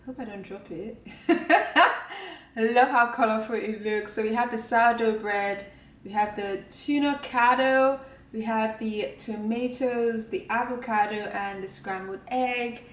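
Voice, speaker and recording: A woman's voice: fairly high pitch, a little slow, slight background noise. A woman vlogging to camera from her home kitchen, chatting casually and rambling with lots of "like" fillers. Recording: echoey room with faint ambience.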